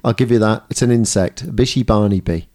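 A man's voice: on the low side, fast talker, a little mellow. A man chatting casually as a podcast co-host, blunt and teasing, swearing freely. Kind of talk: casual chat.

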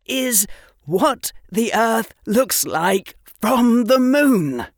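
A man's voice: very high-pitched, animated, very slow, vocal fry, no echo, studio quality, voice pushed up, full character voice. A man voicing a precocious, earnest boy who explains science with barely hidden pride. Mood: proud, explaining. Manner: earnest lecturing with proud tremble.

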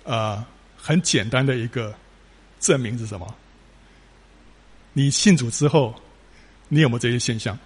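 A man's voice: mid-range voice, moderate pace, pauses often, husky. A man preaching a sermon, telling stories with rising emphasis and frequent filler particles.

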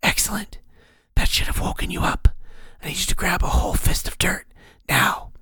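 A man voicing an urgent mentor figure in a breathy whisper, insistent and instructive. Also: sits high, lively intonation, normal speed, pushed and bright, no echo, studio quality, pitched above the performer's own voice, full character voice.

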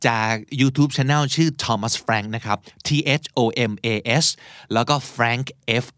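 A Thai man hosting a podcast, teaching English in a chatty, encouraging way with slow explanations. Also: medium pitch, a bit bright, no echo, clean studio sound. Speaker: podcast host. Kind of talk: casual English lesson.

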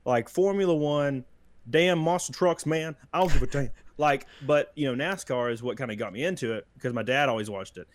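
A man's voice: mid-range voice, a little fast. A young man with a Southern US accent, chatting casually on a podcast, laid-back and self-mocking. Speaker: YouTuber podcast guest.

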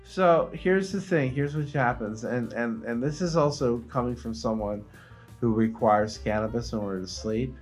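A man co-hosting a casual comedy podcast, telling stories in a profane, animated way and acting out quotes. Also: medium pitch, normal speed, soft background music. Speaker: podcast co-host.

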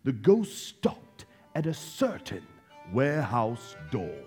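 A man's voice: medium pitch, huge pitch swings, slow pace, darkish tone. A man narrating a Christmas tale as a scripted, dramatic storyteller in a stage radio play. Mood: storytelling. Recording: live stage recording, music underneath.

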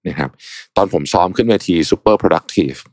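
A young man with a very low voice talks through tips in a relaxed, chatty way, softening his sentences with polite particles. The sound is dry and close, with no room around it. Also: unhurried, dry recording. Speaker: podcast host. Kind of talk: casual advice talk.

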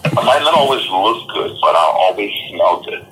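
A man from Trinidad and Tobago, a podcast guest, telling stories in a relaxed, casual way with many restarts. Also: low voice, moderate pace, over music, rough recording. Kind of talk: casual interview storytelling.

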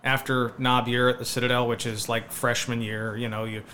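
A man's voice: medium pitch, level tone, normal speed, sharp tone. Wry American man, noisy recording. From suburban Chicago, United States. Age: 30s. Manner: wry, self-deprecating, rambling. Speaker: podcast guest. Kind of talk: casual, joking chat.

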